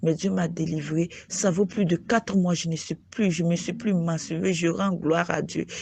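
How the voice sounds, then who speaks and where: At a fairly slow pace, a woman speaks in a dark, mellow, somewhat breathy tone with fairly even intonation. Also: fairly low pitch for a woman, hardly any pauses. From Africa. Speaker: viewer giving testimony. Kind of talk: testimony. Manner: halting.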